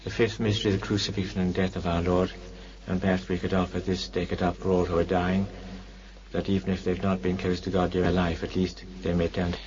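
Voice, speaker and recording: A man reciting devotional prayer as a priest leading the rosary, in a measured monotone. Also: sits low, slight background noise. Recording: muffled, echoey distant recording, congregation responding.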